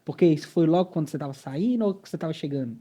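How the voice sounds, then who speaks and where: Host guy from minas, kinda high but mellow voice, lots of little reactions. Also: animated, rapid-fire. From Minas Gerais, Brazil. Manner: reacts with short exclamations, then asks follow-up questions. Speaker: podcast host. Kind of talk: casual podcast chat.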